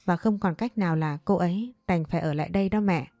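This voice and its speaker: A woman's voice: lowish voice, fast talker, warm tone, no echo, soft background music, lightly acted. A woman voicing an earnest young man of twenty-seven who is haunted by a ghost, in a spoken ghost story.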